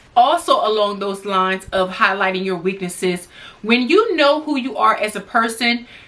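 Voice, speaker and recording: A woman with an unremarkable speaking voice talks at a moderate pace, her fairly high pitch moving in lively intonation. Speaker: lifestyle YouTuber. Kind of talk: casual vlog talk to camera. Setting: alone in a room talking to camera.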